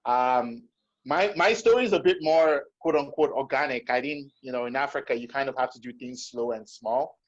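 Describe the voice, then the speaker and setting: Measured man from Nigeria, muffled call. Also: mid-range voice. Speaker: startup founder and investor. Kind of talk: video call introduction. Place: indoors, home room. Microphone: laptop mic on video call. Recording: muffled video call audio.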